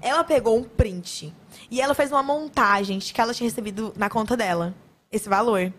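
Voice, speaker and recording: A young woman from Acre in Brazil, a podcast guest telling stories in fast, animated casual chat. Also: fairly high pitch.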